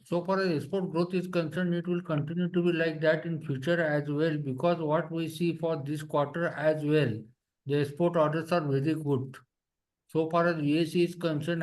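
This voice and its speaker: A man's voice: a little high, a little mellow, rough recording. A man with an Indian accent answering investor questions on an earnings call as a company executive, emphatic and repeating his phrases.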